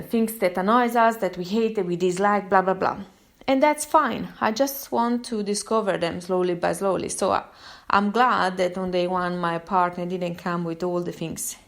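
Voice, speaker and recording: A woman from Italy with an Italian accent, a therapist talking through a casual live monologue, chatty and given to sudden pitch jumps when she acts out quotes. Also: vocal fry. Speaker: therapist and podcast host.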